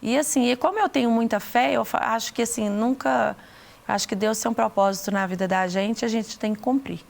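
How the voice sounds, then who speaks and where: A middle-aged Brazilian woman recounts her story with a gravelly, fry-edged voice set a little high. She speaks earnestly and haltingly, restarting and repeating words as she testifies to her faith in an interview. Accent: Brazilian Portuguese. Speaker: interview guest giving testimony.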